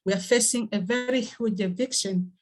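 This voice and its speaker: A woman's voice: medium pitch, moderate pace, a little mellow, soft background music. Earnest Tanzanian woman at a meeting. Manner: earnest, with fillers and restarts. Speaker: NGO worker. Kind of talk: online meeting remarks.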